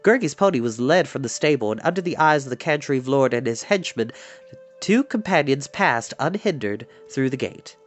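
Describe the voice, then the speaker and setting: A man reading a fantasy novel aloud in an expressive narrating style. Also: medium pitch, moderate pace. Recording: music behind the voice. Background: background music.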